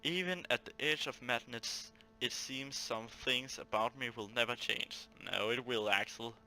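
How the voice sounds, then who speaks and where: A man hosting a let's play, reading a visual novel aloud and breaking off into animated, jokey asides. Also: medium pitch, measured pace, slight background noise, poor audio.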